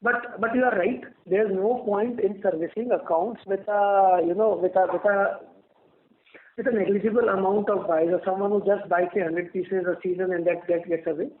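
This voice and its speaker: A man with an Indian accent, a company executive, answers questions on an earnings call, repeating words as he thinks. His voice is high-pitched and steady at a moderate pace. It comes over a narrow, tinny telephone line.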